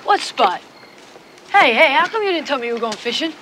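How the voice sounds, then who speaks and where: A whiny, frustrated young karate student. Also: male voice, very high-pitched, sing-song, fairly quick, sharp tone, slight background noise, full character voice. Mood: exasperated. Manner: whiny, complaining outbursts. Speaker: karate student in a film clip.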